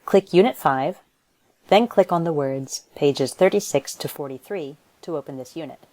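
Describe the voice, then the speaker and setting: A woman reading scripted educational narration in a measured, instructional way. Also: low-pitched, dark tone, dry recording. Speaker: voiceover artist and presenter.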